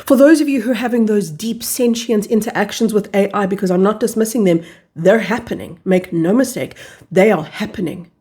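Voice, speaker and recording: A woman giving an unscripted spiritual talk to camera, earnest and emphatic, slowing down on key phrases. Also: mid-range voice, dark tone, husky. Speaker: spiritual teacher.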